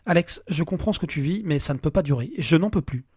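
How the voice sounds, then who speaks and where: Man reading a weary, restrained wife, soft and quiet, dry close voice. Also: fairly high pitch, expressive, fast, husky, dry recording. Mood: pleading. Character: calm, weary wife, middle-aged woman.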